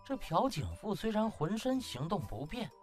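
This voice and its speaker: A man tells a comic story in a dramatized audiobook style. His delivery is extremely lively and varied in pitch, with faint music underneath. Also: normal speed. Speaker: audiobook narrator.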